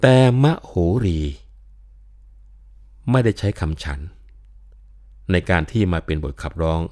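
Deep older man explaining classical literature. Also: lively intonation, takes it slowly, warm tone. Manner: patient, explanatory, with frequent polite particles. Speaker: lecturer on Thai classical literature. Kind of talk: explanatory talk.

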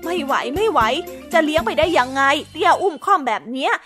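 A gruff country mother, put on by a woman, who scolds bluntly and bosses her child around in a kids' story. Her voice is fairly high. Music plays behind her. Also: a little fast, fairly bright tone. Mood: scolding. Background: background music.

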